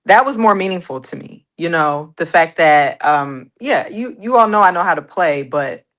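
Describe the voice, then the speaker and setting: A woman musician speaking as an interview guest, her voice on the low side. She talks candidly and tells stories with a relaxed laugh. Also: normal speed. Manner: candid and storytelling, with light laughs. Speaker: singer and pianist guest. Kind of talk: casual interview chat.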